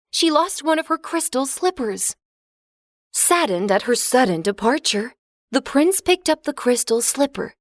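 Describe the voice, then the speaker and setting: A woman narrating a children's fairy tale in a clear, expressive storybook reading. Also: on the high side, dry recording, studio quality.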